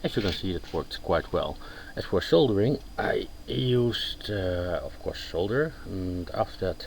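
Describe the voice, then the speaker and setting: A man speaks with a Dutch accent. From Netherlands. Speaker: DIY hobbyist. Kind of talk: casual tutorial talk to camera. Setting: outdoors, poor sound quality. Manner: hesitant, many fillers.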